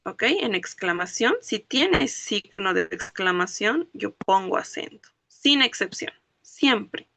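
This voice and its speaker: A woman's voice: mid-range voice, animated, creaky, sharp tone, no echo. A woman teaching a grammar lesson, explaining step by step and often checking that her students follow with "¿ok?". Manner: explains slowly, checks understanding with "¿ok?" and "¿no ve?". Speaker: language teacher. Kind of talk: classroom lecture.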